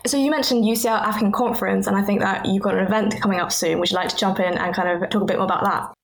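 Brief: young woman moderator, quick scripted delivery, student podcast. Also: medium pitch, steady tone, rough recording. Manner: scripted, brisk introductions. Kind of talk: podcast panel discussion.

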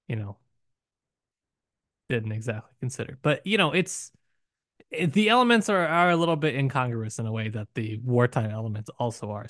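Male podcast co-host, medium pitch, casual bookish discussion, halting and questioning delivery, dry recording. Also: no echo. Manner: musing, poses rhetorical questions, halting with filler phrases.

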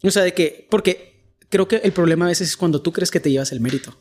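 Mexican man, high voice, easy joking co-host in a faith chat. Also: fast talker, darkish tone. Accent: Mexican Spanish. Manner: joking, self-deprecating asides. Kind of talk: casual faith discussion.

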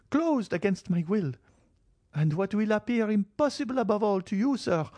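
A man's voice: high-pitched, a little mellow, dry recording, pitched above the performer's own voice. A man reading an audiobook, voicing a frail, commanding old marchioness who talks feverishly of death.

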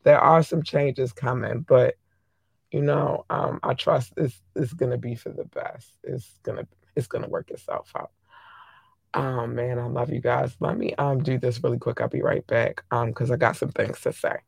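A hoarse podcast host chatting casually, affectionately shouting out listeners country by country. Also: medium pitch, fairly even intonation, normal speed, no echo.

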